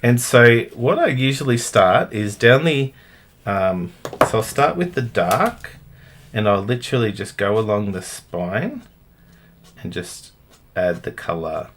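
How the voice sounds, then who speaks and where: Soft-spoken man coloring on camera. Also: fairly low pitch, expressive, a little slow, slight background noise. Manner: thinks aloud while coloring, soft and hesitant, breaks into bits of song. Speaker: co-host demonstrating coloring. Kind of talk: casual craft demonstration.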